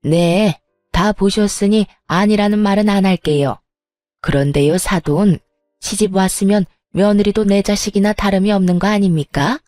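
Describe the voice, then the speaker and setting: A woman's voice: on the low side, normal speed, warm tone, dry recording, clean studio sound, soft background music, lightly acted. A woman voicing an angry middle-aged mother-in-law who scolds and sneers harshly, in a storytelling reading. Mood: sneering.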